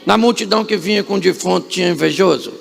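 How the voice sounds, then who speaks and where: High, gravelly Brazilian preacher. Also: male voice, quick pace, slight background noise. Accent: Brazilian Portuguese. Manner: humorous, quizzes the congregation with repeated questions; dramatic storytelling with sudden rises and drops. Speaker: pastor. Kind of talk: live church sermon.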